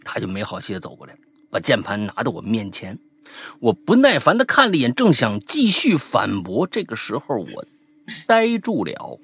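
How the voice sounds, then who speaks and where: A man co-hosting a casual podcast, reading out a listener's ghost story with lively asides and banter. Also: fairly low pitch, normal speed, creaky, slightly rough. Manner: lively, animated retelling with asides.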